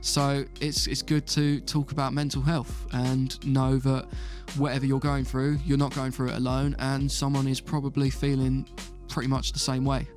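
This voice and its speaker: A young man hosting a casual chat, relaxed and laughing often. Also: mid-range voice, moderate pace, hardly any pauses, faint music behind. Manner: laid-back, laughs often, British slang. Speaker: podcast host.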